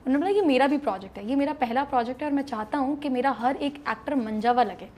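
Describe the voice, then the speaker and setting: A young woman with a Pakistani accent, an actress guest in an interview, telling a story in a lively way and acting out the dialogue. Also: high voice, slight background noise. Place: interview set.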